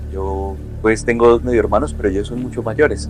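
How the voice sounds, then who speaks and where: Music plays in the background while a man speaks in a fairly low pitch with very wide pitch swings. The room has audible echo. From Colombia, Pereira. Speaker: psychologist and university lecturer sharing paranormal experiences. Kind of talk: personal testimony on a podcast.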